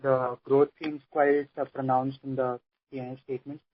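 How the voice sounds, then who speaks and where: A man's voice: mid-range voice, level tone, moderate pace. A man with an Indian accent asking a question as an analyst on an earnings call. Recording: noisy, muffled phone line with clicks.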